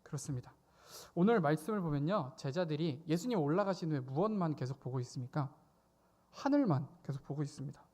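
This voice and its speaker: Guy preaching at a church youth service, kinda high voice, gets loud when he acts out the quotes. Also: animated, fairly quick. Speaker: youth pastor. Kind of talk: sermon.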